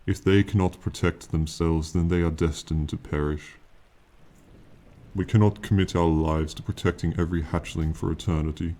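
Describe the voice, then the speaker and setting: A man voices an ancient, proud, aloof dragon companion in a fantasy ASMR roleplay, his very deep, dark voice holding a steady tone with little rise or fall. He addresses a mortal slowly, solemnly and condescendingly in archaic phrasing, his mood detached and grave. Faint rainfall can be heard in the background.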